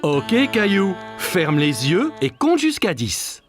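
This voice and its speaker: An actor playing a patient, reassuring father of young children in a children's cartoon, calm and encouraging over music. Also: medium pitch, slow pace. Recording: music under the voice.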